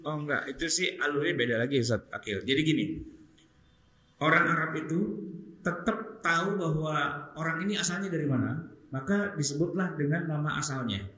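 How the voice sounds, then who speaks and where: A man giving a casual, joking religious study talk and explaining things in an animated way. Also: on the high side, fairly quick. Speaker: Islamic teacher. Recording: roomy echo.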